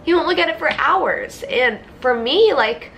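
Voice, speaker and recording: A young woman with a somewhat high voice and a congested, stuffy nose talks straight to her camera in a rambling, confessional way. She fills every sentence with "like" and speaks from the heart. A faint hiss of background noise sits under her voice. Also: animated, unhurried, vocal fry, fairly bright tone. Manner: rambling, heavy use of "like", heartfelt. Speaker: vlogger. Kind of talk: casual confessional vlog.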